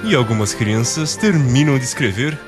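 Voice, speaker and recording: A man's voice: mid-range voice, lively intonation, normal speed. A man with a Brazilian accent narrating a scripted radio play as a storyteller. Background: music.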